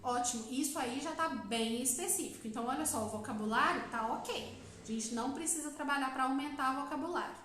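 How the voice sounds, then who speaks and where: A Brazilian woman gives a live-stream talk as a psychologist. Her voice sits high and carries through a strongly echoing room. She explains patiently and keeps checking in with her listeners. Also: brisk, a bit bright. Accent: Brazilian Portuguese. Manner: explanatory, frequent "tá?" check-ins, asks questions and answers them herself.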